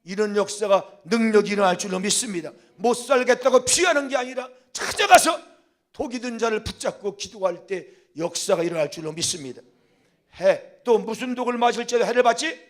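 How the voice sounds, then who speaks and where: Older male pastor preaching fervently, high-pitched. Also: animated, fairly quick. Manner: fervent preaching with sudden loud peaks and calls to the congregation; quieter storytelling when recounting a past event. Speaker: senior pastor. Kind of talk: sermon.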